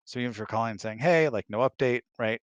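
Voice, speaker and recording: A man's voice: medium pitch, quick pace, no echo. A middle-aged man chatting casually as a co-host, rambling and acting out imagined remarks as he goes. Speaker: co-host, the husband. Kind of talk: casual chat. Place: close, dry room on an online voice chat.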